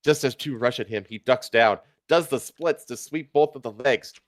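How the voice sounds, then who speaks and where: A man's voice: mid-range voice, moderate pace, dry recording, clean studio sound. A man streaming a live fan fiction reading, stumbling over lines and tossing in irreverent comments. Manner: irreverent, animated, stumbles and rereads. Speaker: streamer, host.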